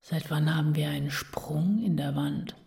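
A woman's voice: low-pitched, normal speed, creaky, warm tone, recorded from a distance. An actress playing a fraught, needy woman writer in a literary radio play, insistent, brooding and argumentative. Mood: brooding, uneasy.

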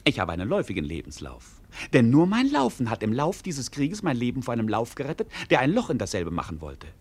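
A man playing an idle, roguish wandering fool in a German radio play, declamatory and playful, with a husky voice. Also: medium pitch, huge pitch swings, fast, full character voice. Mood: mock-earnest rambling. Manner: declamatory, playful, sometimes sing-song.

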